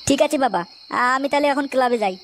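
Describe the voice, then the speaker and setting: A woman's voice: sits high, fast talker, a little hiss or hum, lightly acted. A woman voicing a sneaky, cowardly young womanizer in a comic cartoon, crude and flustered in manner. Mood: sheepish. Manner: crude, flustered, muttering asides. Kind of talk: exaggerated comic cartoon dialogue.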